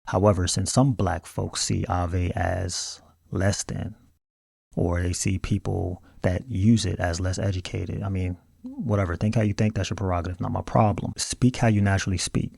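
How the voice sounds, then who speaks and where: A man's voice: deep voice, fairly even intonation, moderate pace, gravelly, a little mellow, husky, dry recording, studio quality. A man with an African American accent delivers scripted video commentary in an earnest, emphatic, colloquial way. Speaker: video host.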